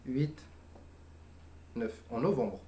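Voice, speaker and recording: A man with an average-pitched voice takes part in a livestream. His talk is slangy, joking and mocking. There is faint background noise in the room. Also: drawn-out words, dark tone. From France. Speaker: livestream participant. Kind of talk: casual chat, slangy banter.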